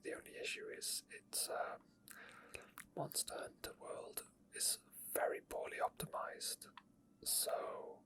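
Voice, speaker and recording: A person whispering quiet, unscripted ASMR gameplay commentary in a breathy voice, unhurried and rambling, close to the microphone. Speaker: video game streamer making ASMR. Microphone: microphone tucked under a hoodie, close to the mouth.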